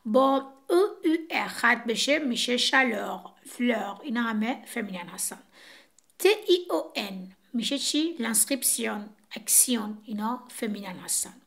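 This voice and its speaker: Brief: woman French teacher, slightly high voice, walks through examples on a board. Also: expressive, vocal fry, fairly bright tone. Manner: explains step by step, pointing to a board. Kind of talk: casual classroom explanation.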